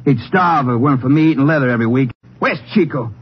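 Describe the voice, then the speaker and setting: A young cowboy prizefighter played by a man, surly and worn out, speaks with an in a middle-pitched voice. It is old radio drama, muffled and noisy. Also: quick pace, natural voice. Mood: irritated. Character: weary, hot-tempered young male cowboy prizefighter. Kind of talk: 1950s radio western acting.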